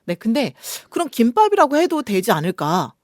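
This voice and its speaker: Woman radio host with lively intonation. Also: a little high, fairly quick, no room sound, clean studio sound. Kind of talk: scripted poem reading and relaxed book chat.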